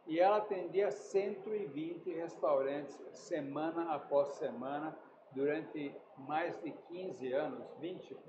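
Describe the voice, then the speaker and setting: An older man, a podcast guest who tells animated anecdotes and acts out the dialogue. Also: fairly high pitch, slow pace. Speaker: meat company owner, guest. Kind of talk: casual podcast chat, storytelling. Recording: roomy, muffled, noisy room sound.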